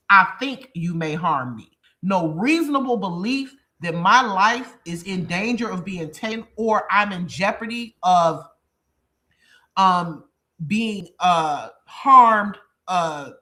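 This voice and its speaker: Congested, bright-voiced reaction host. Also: mid-range voice. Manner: emphatic, repetitive, explaining to viewers. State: congested, sniffling. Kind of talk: commentary on a true crime case.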